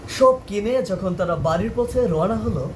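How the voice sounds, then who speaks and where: A man's voice: high-pitched, lively intonation, moderate pace, slight background noise. A man working as a voice artist, delivering scripted narration.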